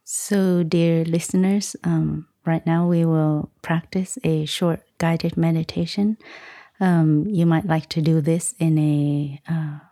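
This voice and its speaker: A woman, a nun, talking reflectively as a guest in a gentle, thoughtful, hesitant way. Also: low voice, little pitch movement, takes it slowly. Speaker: Buddhist nun, podcast guest. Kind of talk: reflective conversational talk.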